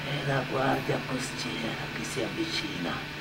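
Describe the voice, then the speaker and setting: A man narrating a theatrical story in a solemn, deliberate way, in short dramatic phrases. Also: mid-range voice. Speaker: stage narrator. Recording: echoey space with loud background noise.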